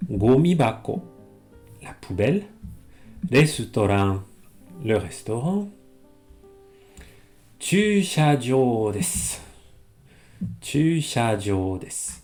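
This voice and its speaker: Calm low-voiced teacher. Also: male voice, faint music behind. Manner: reads Japanese slowly, then explains in French. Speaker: Japanese teacher. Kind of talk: language lesson reading a text aloud.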